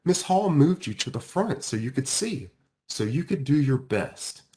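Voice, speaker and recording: A kindly male school counselor voiced by a man from a children's storybook. He is patient and reassuring, explaining gently with varied, animated intonation. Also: mid-range voice, unhurried.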